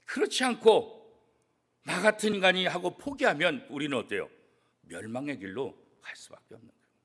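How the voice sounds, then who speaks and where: A man, a church pastor, preaching a sermon with strong emphasis, swinging from loud declarations to hushed, almost whispered asides. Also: a little high, wildly swooping pitch, fairly quick, breathy edge. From South Korea. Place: church sanctuary.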